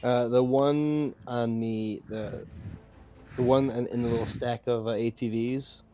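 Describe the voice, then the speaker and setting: A man playing a tabletop game, chatting casually and haltingly as he thinks aloud. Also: mid-range voice, fairly even intonation, warm tone, highs cut off.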